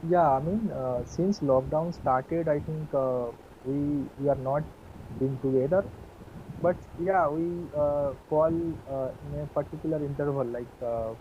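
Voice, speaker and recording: A man in his twenties from West Bengal with a Bengali accent, practising English on a video call, polite and hesitant with many pauses. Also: a little high, phone-quality sound, a little hiss or hum. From West Bengal, India. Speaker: English learner.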